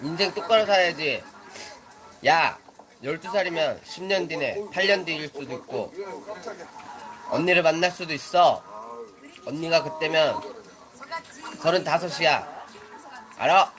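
A woman's voice: deep voice, measured pace, pauses often, crowd noise. A woman in her twenties streaming and scolding younger players in a bossy big-sister way, swearing as she talks. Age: 20s. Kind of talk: live stream chat with players. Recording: music playing loudly under the voice.

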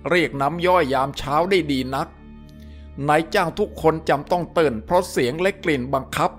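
A male storyteller reads an adventure novel aloud in a steady, descriptive manner. His voice sits somewhat high for a man. Faint music plays underneath. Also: fairly quick. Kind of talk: audiobook-style story narration.

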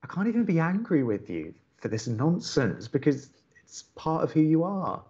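A man's voice: fairly high pitch, big pitch swings, normal speed, darkish tone, breathy edge, muffled recording, full character voice. A man playing a blunt, wry young college radio co-host in a naturalistic audio drama. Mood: frustrated, sincere.

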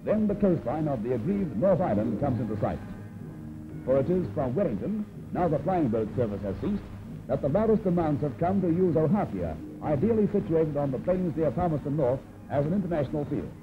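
A man's voice: a little high, big pitch swings, brisk. Man narrating an old newsreel. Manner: formal, announcing delivery. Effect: old newsreel soundtrack. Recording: tinny old newsreel audio with music.

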